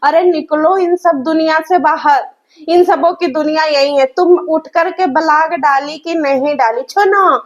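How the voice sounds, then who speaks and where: A woman's voice: high voice, steady tone, measured pace. A woman roasting others in a reaction vlog, mocking and scolding, with a sore throat. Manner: mocking, scolding, addresses viewers as guys. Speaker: reaction vlogger.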